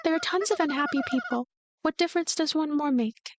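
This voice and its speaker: A woman voicing a gentle, giggly, self-effacing ghost girl in a visual novel, soft-hearted and meekly accepting. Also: sits high, huge pitch swings, brisk, a little hiss or hum, voice pushed up. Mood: gentle, earnest.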